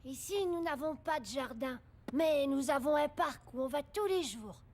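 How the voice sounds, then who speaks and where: A woman voicing a friendly young boy in a cartoon, warmly inviting his new friend to play. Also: high-pitched, expressive, normal speed. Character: friendly young boy living in a high-rise.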